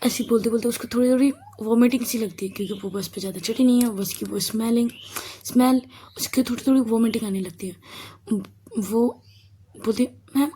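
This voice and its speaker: A woman's voice: on the high side, brisk, mellow, slight background noise. A woman narrating a story in a loose, conversational way, with restarts.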